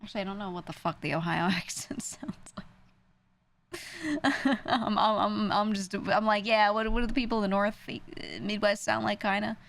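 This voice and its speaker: A woman's voice: mid-range voice, steady tone, moderate pace, gravelly, fairly bright tone. A young woman with a New York accent, chatting casually on a stream, rambling and self-deprecating with frequent laughs. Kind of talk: casual stream chat answering viewers.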